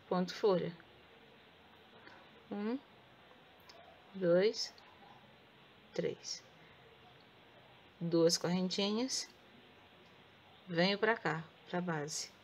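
A woman with a Brazilian Portuguese accent teaching crochet step by step. She speaks softly with a sore throat and counts stitches aloud. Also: on the low side, gravelly, slight background noise. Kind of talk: step-by-step craft tutorial.

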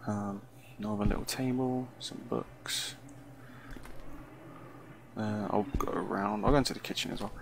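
A man's voice: on the low side, fairly even intonation, normal speed, long pauses. A man giving casual first-impressions commentary on a game, musing aloud hesitantly and often trailing off. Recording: clearly noisy recording.

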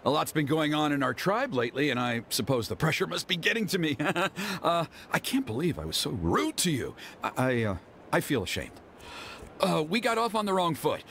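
An actor playing a stern, proud middle-aged father and tribal elder in a video game, speaking in a formal, measured way. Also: on the high side, big pitch swings, creaky, a little hiss or hum, heavily acted. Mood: flustered, apologetic. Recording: game audio with loud music. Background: loud game music.

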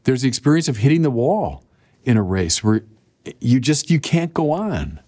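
An older man in his sixties delivers a sermon in a lively, chatty way. His pitch rises and falls freely as he speaks straight to the listeners. A close lapel mic in a quiet indoor studio picks him up. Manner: animated, conversational preaching with direct appeals. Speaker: bishop.

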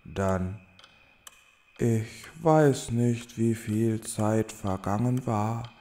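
A woman playing a lazy, sleepy little creature in a children's audio drama, with a creaky, bored drawl. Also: a bass voice, drawn-out words, mellow, full character voice. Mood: sleepy, indifferent.

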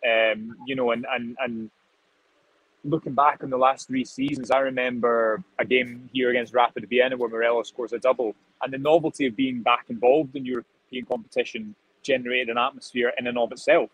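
A football reporter in his twenties, a guest on a video call at the stadium, gives live reaction analysis in a reflective, meandering way full of restarts. His husky, mid-range voice is a bit bright, with flat delivery and a fairly quick pace. The recording sounds muffled.

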